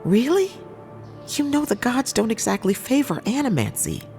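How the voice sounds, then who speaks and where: A woman's voice: a little high, sing-song, normal speed, darkish tone, faint music behind. A woman playing a weary but hospitable market trader in a fantasy video game, plainspoken and conversational. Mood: wary, resigned. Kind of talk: video game character acting.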